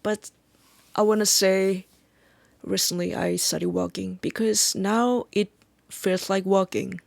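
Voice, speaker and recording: A Korean-accented speaker, a native Korean speaker, talking in a halting, reflective vlog monologue and often pausing to search for words. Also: mid-range voice, steady tone, creaky, no echo. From South Korea. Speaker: vlogger.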